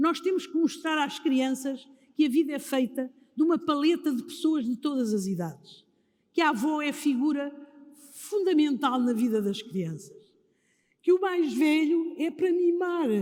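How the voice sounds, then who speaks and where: A woman speaks at a fairly slow pace in a high pitch. Her intonation is lively and her tone animated. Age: 70s. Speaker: panel speaker, founder of an elderly support association. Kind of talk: panel discussion.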